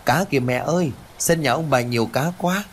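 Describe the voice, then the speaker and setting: Male narrator doing a small scared village kid, high and whiny, storybook reading. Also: brisk, a little hiss or hum, lightly acted. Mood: excited. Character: frightened young village boy.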